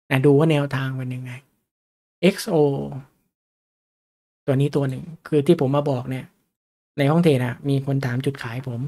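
A man's voice: on the high side, mellow. Chatty man teaching stock charts. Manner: chatty, asks the audience questions often. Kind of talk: casual lecture on stock charts.

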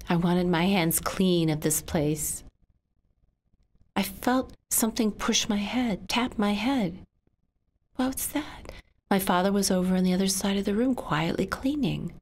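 Woman voicing a signed story; slow, soft delivery that often sinks to a whisper. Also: medium pitch, animated. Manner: hushed, often dropping to a whisper.

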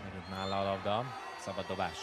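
A man giving excited live play-by-play commentary on a handball match. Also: sits low, over loud music. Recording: loud arena crowd noise behind commentary. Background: roaring sports hall crowd.

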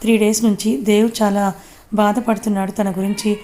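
A woman's voice: medium pitch, level tone, brisk, dark tone, natural voice. A woman voicing a worried young man who scolds and pleads with his friend.

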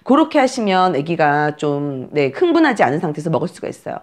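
A woman's voice: deep voice, big pitch swings, fast. A woman teaching new mothers about breastfeeding, direct and emphatic, giving blunt commands and acting out scenes. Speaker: postpartum care and breastfeeding instructor. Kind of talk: coaching lesson to new mothers.

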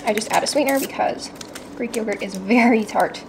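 A woman's voice: fairly high pitch, fairly quick, vocal fry, noisy background. Chatty woman vlogging from her kitchen. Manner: chatty, explains as she goes. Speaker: fitness vlogger. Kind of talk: casual vlog chat. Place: home kitchen.

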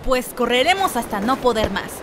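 A woman's voice: on the high side, very animated, moderate pace, noisy background. A woman voicing a brave, confident, boastful female hedgehog heroine in a fan dub of video game cutscenes. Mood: determined. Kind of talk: Latin American fandub of game cutscenes.

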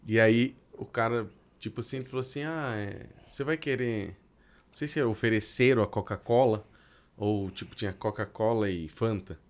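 A man from Brazil hosting a casual podcast interview, relaxed and quick to laugh as he asks his guest questions. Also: on the low side. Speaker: podcast host.

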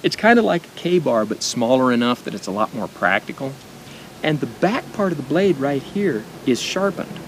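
Halting American man, noisy outdoor recording. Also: very animated. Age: middle-aged. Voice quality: speech impediment. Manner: halting, with deliberate pauses. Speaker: knife and gear reviewer. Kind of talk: informal product demonstration to camera. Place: outdoors at a picnic table in woods. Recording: outdoor noise with low rumble.

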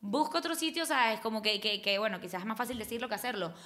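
A woman's voice: a little high, quick pace, sharp tone. A woman, a podcast guest talking emphatically in a casual chat, recorded on a desk mic in a small studio. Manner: emphatic, gestures a lot, restarts often. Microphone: desk microphone.

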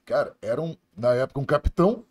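A man's voice: mid-range voice, expressive, fast talker, a little mellow. A middle-aged man from Brazil, a police officer telling stories on a podcast in a blunt, profane, laughing way. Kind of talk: casual podcast storytelling.

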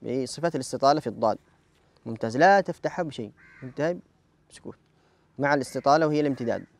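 Brisk man quizzing a reciter. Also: medium pitch, lively intonation, no room sound. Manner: patient, step-by-step, repeats words for emphasis. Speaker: Quran recitation judge and examiner. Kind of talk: explaining recitation rules and quizzing a contestant.

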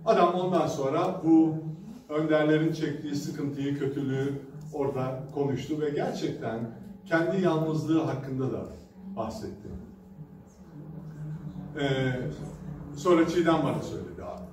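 A man preaching at a pulpit microphone, his slightly high voice carrying through a very echoey hall. He sounds set back from the mic, with clear background noise underneath. He tells stories in a relaxed, conversational way and pauses with hesitant fillers. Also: far from the mic. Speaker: pastor. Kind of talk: sermon.

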